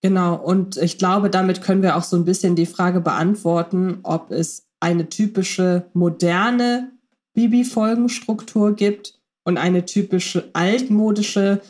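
Female podcast host, relaxed and playful, chatty delivery. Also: fairly low pitch, a little slow. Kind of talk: casual fan podcast chat.

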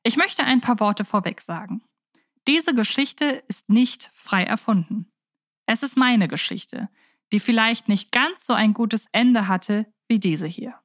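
A woman's voice: a little high, lively intonation, measured pace, fairly bright tone, dry recording, studio quality. A woman hosting a podcast, talking casually and reading aloud in a conversational presenter's way. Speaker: podcast host.

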